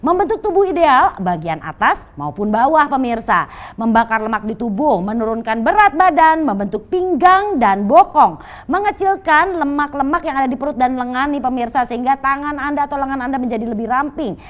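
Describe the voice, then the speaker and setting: A woman with an Indonesian accent presenting an infomercial sales pitch, persuasively urging viewers to buy and addressing them directly again and again. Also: lively intonation, a little fast. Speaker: home shopping presenter.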